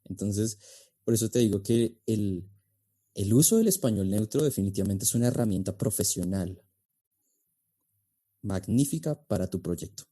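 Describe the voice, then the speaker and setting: A man's voice: lowish voice, expressive, normal speed, pauses often, warm tone. A man explaining things conversationally as an expert guest, in a didactic, emphatic way. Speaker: interview guest, speech and oratory coach.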